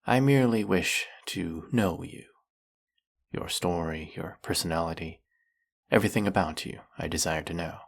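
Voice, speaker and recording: A snake-headed villain with a silky, coaxing manner, voiced by a man. His voice sits very low with a gravelly, husky grain, and he takes his time with every word. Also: moderate pace. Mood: boastful. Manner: silky, coaxing, soft-spoken and purring. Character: smooth-talking snake-headed male villain, hypnotist. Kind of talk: audio roleplay.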